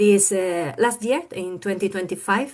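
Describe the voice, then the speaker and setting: Speaking at a fairly slow pace with a Spanish accent, a woman keeps a medium pitch and ordinary pitch variation. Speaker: journalist. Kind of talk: presentation. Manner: halting.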